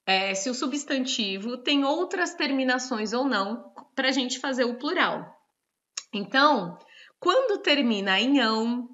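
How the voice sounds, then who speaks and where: A woman's voice: on the high side, sharp tone, muffled recording. A woman teacher with a Brazilian Portuguese accent, explaining grammar rules in an online lesson and checking in with frequent tag questions.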